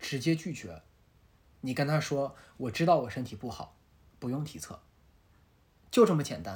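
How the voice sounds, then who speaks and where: With vocal fry and lively intonation, a man speaks at a moderate pace and fairly high pitch, leaving long, frequent pauses. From Shanxi, Taiyuan (northern China). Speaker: podcast co-host. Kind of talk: casual chat.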